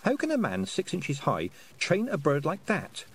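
A man voicing a sensible, bossy young girl who speaks briskly and firmly. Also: on the high side, huge pitch swings, breathy edge, voice pushed up, full character voice. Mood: curious.

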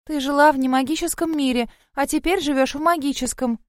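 A woman's voice: high-pitched, brisk, no room sound, clean studio sound, voice pushed up, natural voice. A woman voicing a friendly young rabbit-eared girl, anxious and caring, who talks in an earnest, fussing way. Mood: concerned.

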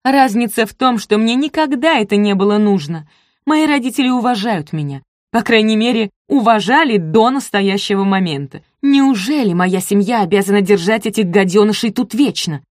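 A woman reading an audiobook, voicing a spoiled, scornful young woman kidnapper in a shrill, indignant way. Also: expressive, moderate pace, no echo, studio quality, natural voice.

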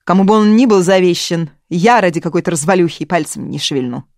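An audiobook reader voicing a theatrical, self-pitying older woman who speaks loudly and drags out her complaints. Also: medium pitch, no room sound, studio quality, lightly acted. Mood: bitter, indignant. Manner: melodramatic, loud and drawn-out.

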